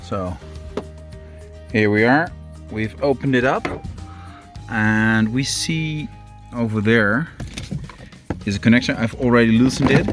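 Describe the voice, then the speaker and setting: With music in the background, a man speaks in a Dutch accent at a fairly slow pace, leaving long, frequent pauses. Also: medium pitch for a man, ordinary pitch variation. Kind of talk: DIY car tutorial narration.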